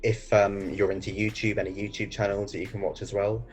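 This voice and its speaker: Male teacher, deep voice, relaxed answers over faint music. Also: a little fast, poor audio. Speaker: English teacher. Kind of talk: casual interview answers.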